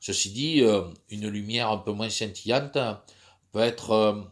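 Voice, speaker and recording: A man's voice: lowish voice, unhurried. A man in his fifties with a cold, talking in a rambling, hesitant monologue full of fillers and restarts. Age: 50s. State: stuffy from a cold. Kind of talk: personal monologue.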